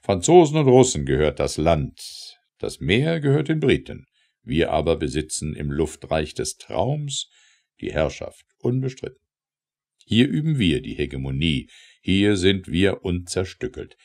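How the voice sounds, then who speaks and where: Deep, gravelly man reciting verse dramatically. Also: big pitch swings, a little mellow. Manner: theatrical, declamatory, measured phrasing with pauses. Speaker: audiobook narrator.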